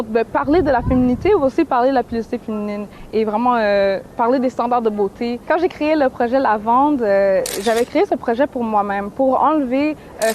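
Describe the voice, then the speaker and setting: A woman's voice: on the high side, a little mellow, lo-fi sound, a little hiss or hum. A woman in her twenties with a Québécois French accent, talking candidly in an interview and laughing easily. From Canada. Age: 20s. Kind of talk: casual interview talk.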